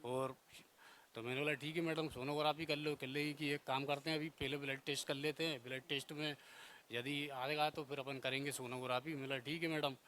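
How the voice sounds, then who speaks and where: Man, husband giving testimony, mid-pitched, calm and halting, faint hum behind. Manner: calm, plain, halting retelling with restarts. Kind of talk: casual recounting.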